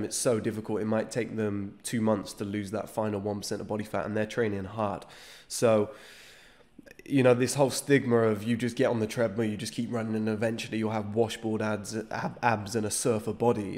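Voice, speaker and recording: A man's voice: on the low side, a little mellow. A man in his thirties, a fitness channel host, talking to camera with a nasal voice from a cold, earnest and gesturing as he explains. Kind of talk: direct-to-camera talk. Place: small indoor studio room. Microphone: studio microphone on a desk stand.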